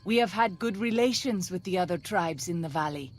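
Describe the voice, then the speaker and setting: A woman voices a solemn tribal midwife and scout in a video game, speaking formally in measured, archaic phrasing. Her pitch is fairly low with lively intonation, and faint music plays behind her grave delivery.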